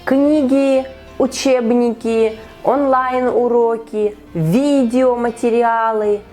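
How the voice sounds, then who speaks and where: A woman hosting an online conversation as a Russian teacher, asking a learner measured, encouraging questions. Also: a little high, fairly even intonation, warm tone, soft background music. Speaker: Russian teacher and podcast host. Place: online call.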